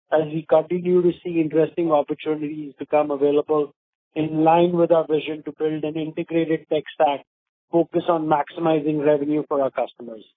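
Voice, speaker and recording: A man with an Indian accent formally reading prepared earnings call remarks as a company executive, in a measured way. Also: a little high, dry recording. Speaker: company executive presenting results. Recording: narrow, tinny phone conference line.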